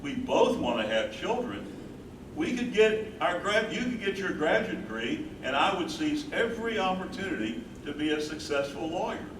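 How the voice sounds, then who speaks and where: A man's voice: on the high side, very animated, moderate pace. A man in a staged play reading, playing an earnest, devoted young man courting his sweetheart with theatrical delivery. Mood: earnest, persuasive. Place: live staged reading in a room. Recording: echoey room, distant mic, noisy.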